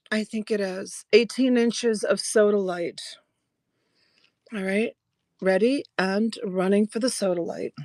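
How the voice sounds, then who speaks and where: A woman's voice: mid-range voice, dry recording. Chatty woman in her sixties selling jewelry. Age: 60s. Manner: chatty, laughs often, warm to viewers by name. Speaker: live-stream jewelry seller. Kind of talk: casual live-selling chat.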